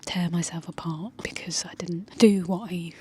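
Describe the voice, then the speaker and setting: A woman whispering softly and tenderly as she talks to her viewers, recorded outdoors in a garden. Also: on the low side, fairly even intonation, moderate pace, slightly rough. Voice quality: soft unvoiced whisper. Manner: gentle, tender, reflective. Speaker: video creator. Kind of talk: whispered ASMR-style personal talk. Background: faint outdoor ambience with bees.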